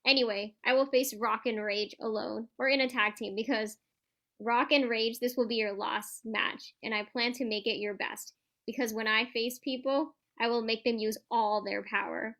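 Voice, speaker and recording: A cocky, trash-talking pro wrestling champion, acted by a woman in a staged reading. The voice is fairly high and bright, with a sharp edge. The delivery is boastful and challenging, with occasional stumbles over the script. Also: steady tone, normal speed. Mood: dismissive.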